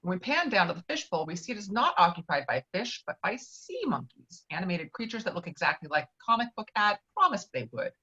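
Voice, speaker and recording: A woman's voice: medium pitch, sing-song, fairly quick, hardly any pauses, bright, forceful tone, muffled recording. A woman reading screenplay stage directions aloud as narrator of a table read.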